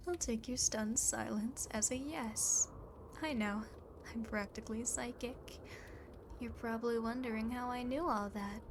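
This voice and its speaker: A woman voicing a lonely, possessive female demon in an ASMR roleplay, softly, often whispering, with teasing, smug condescension, on an amateur home mic. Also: fairly high pitch, gravelly. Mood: condescending. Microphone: close home microphone, not binaural. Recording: noisy amateur home microphone recording.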